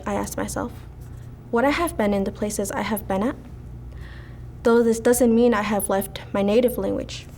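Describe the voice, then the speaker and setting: A woman's voice: medium pitch, dark tone, a little hiss or hum. A teenage girl, a native Spanish speaker, earnestly reading a prepared speech as a student speaker. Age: teens.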